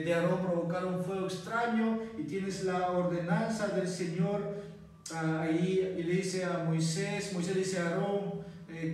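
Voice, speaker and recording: A male pastor preaching an earnest sermon, often calling his listeners brothers and pausing on thinking fillers. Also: high voice, a little mellow, slight background noise. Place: church. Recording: very echoey church hall, voice from far off.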